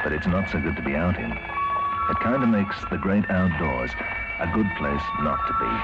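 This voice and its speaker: A man reading a poetic radio station promo, deliberate, pausing between phrases, on a 1970s aircheck. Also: very deep voice, lo-fi sound. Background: loud music.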